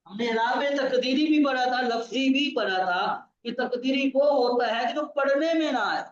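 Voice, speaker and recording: High-voiced male teacher, distant and echoey. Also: slight background noise. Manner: patient, repeats key points, checks understanding. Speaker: Arabic grammar teacher. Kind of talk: classroom grammar lesson. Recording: distant, roomy, dull lo-fi sound.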